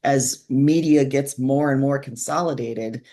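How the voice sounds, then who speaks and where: A woman's voice: a bass voice, unhurried, warm tone. A woman talking casually as an interview guest, in a thoughtful, informal and wry manner. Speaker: author and podcaster, interview guest.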